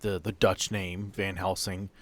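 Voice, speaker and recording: A man narrating an improvised tabletop horror game as game master, with theatrical storytelling and dramatic pauses. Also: sits low, flat delivery, a bit bright. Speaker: game master, podcast host.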